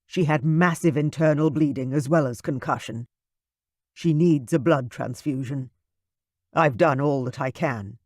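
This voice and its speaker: Weary calm family doctor in a storybook, done by the reader, dry close sound. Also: medium pitch, a little slow, no echo, natural voice. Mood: grave. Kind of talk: audiobook character voice.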